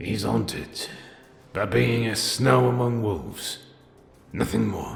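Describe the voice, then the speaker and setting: A man puts on a raspy character voice, fairly low in pitch with very wide pitch swings, speaking at a fairly slow pace with a slight echo. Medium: audio drama. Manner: curt, scornful.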